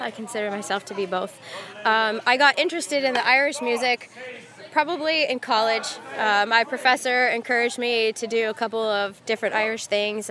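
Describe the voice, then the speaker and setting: A woman harpist from Ohio telling her story in a casual interview, friendly and quick to laugh. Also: a little high, bright, forceful tone. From Ohio, USA. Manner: friendly, laughs easily, answers at length. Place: outdoor festival with crowd.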